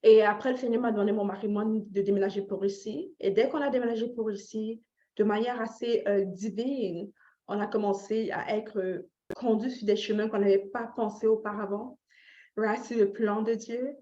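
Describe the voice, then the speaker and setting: A woman's voice: medium pitch, fairly even intonation, moderate pace, warm tone. A woman from Canada teaching personal finance informally, repeating phrases for emphasis, checking in with listeners and dropping in short English tags. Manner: engages listeners directly with questions. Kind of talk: informal live teaching talk with motivational tone. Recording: roomy echo, slightly dull lo-fi sound.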